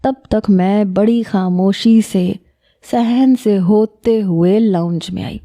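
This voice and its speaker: A woman narrating a first-person story in a calm, steady storytelling manner. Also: mid-range voice.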